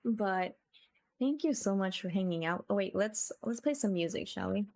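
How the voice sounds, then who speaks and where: A woman hosting a livestream, chatting casually to her viewers in a gentle, appreciative way. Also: medium pitch, lively intonation, moderate pace. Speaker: livestreamer host.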